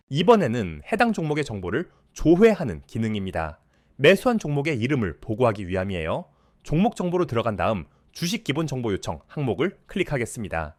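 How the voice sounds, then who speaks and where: A man calmly narrating a step-by-step coding tutorial in polite, scripted instructions. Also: mid-range voice, no echo, clean studio sound.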